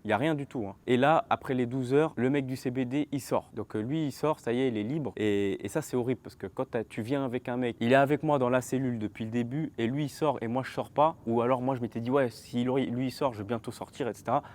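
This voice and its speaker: A man in his twenties, telling an animated story straight to his viewers in a casual storytime vlog. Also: medium pitch, fast talker, hardly any pauses. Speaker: vlogger.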